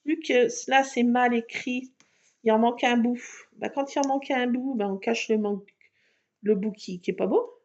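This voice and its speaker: A woman's voice: fairly high pitch, fairly even intonation, normal speed, muffled recording. A woman chatting playfully and mocking herself while she shows a scrapbooking craft. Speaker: craft video maker. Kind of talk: casual crafting tutorial.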